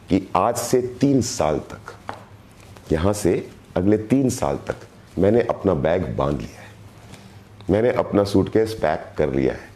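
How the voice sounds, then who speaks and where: Hoarse, low-voiced man speaking earnestly. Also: dark tone. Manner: earnest, deliberate, repeats phrases for emphasis. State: hoarse, sore throat. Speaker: direct selling team leader. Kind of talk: motivational live video address.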